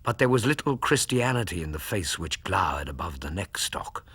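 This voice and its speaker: A steady doctor narrates and comments in a hushed way. His voice is low and very husky, recorded dry and close. It suits a radio drama. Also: moderate pace, dry recording, exaggerated voice. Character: solid, concerned male doctor and narrator.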